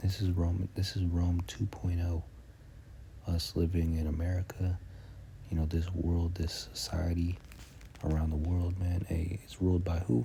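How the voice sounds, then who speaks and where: A soft-spoken man with a very deep, low pitch talks in fairly even intonation and very even loudness, leaving long, frequent pauses. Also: moderate pace. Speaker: religious teacher. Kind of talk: religious lesson. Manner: halting.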